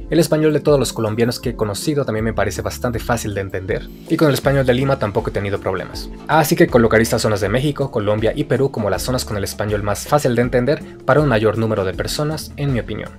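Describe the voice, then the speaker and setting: Mexican male explainer, quick delivery, guitar bed. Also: mid-range voice. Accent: Mexican Spanish. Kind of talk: explanatory video narration. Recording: clip played with guitar music behind. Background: guitar music.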